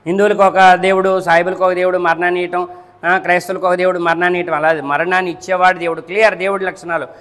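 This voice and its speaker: A man preaches a Friday sermon in a high, ringing voice. He keeps asking whether his listeners are following, repeats his lines and counts off his points one by one. His voice trails off into the long echo of a large hall. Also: little pitch movement, quick pace, a bit bright. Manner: rhetorical, keeps checking the listeners understand.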